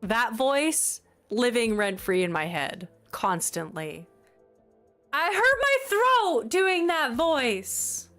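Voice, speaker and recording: A woman drawling through a relaxed live-stream chat, giggly and chatty as she answers her viewers. Her unhurried talk sits over faint game music. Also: fairly high pitch.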